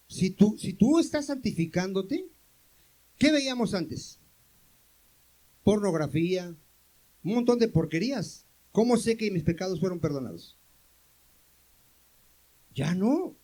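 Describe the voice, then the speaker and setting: High-voiced preaching man. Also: darkish tone, poor audio. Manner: questions the congregation and answers himself; calls for amens from the congregation. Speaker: pastor. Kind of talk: sermon.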